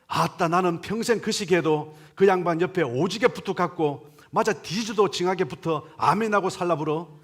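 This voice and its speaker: A man voicing a boisterous rustic man who recites a psalm in a thick Jeolla dialect, loud and exclamatory. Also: high voice, moderate pace, hardly any pauses, voice pushed up. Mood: exuberant.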